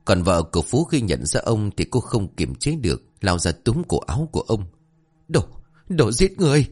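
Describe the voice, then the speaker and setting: Man narrating a dramatic story, deep voice. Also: sing-song, normal speed, a little mellow, breathy edge.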